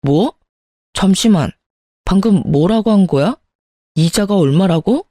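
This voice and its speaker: Brief: female reader playing a grasping husband in an audio drama, dark, dry, sulky, flares up. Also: medium pitch, animated, measured pace, no echo. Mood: furious. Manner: sulky, accusing, turns to shouting. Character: petty, calculating young husband, quick to anger.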